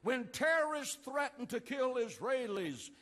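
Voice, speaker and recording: Older man, pastor-orator, high lively pitch, slow deliberate delivery, long reverb of an outdoor rally. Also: a little hiss or hum. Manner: slow, emphatic, repeated refrains, rising to shouts. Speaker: pastor giving a speech. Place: outdoor rally at an ancient port.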